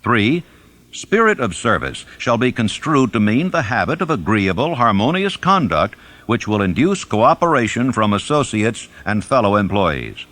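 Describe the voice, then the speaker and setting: A man reading a self-help book as a scripted narration, deliberate and emphatic in his delivery. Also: on the low side, sing-song, fairly bright tone. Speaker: audiobook narrator.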